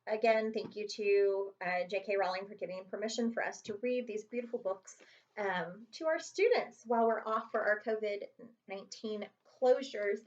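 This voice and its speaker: A woman's voice: medium pitch, normal speed, lo-fi sound. A woman reading a children's chapter book aloud as a librarian would to students, expressively and with dramatic emphasis.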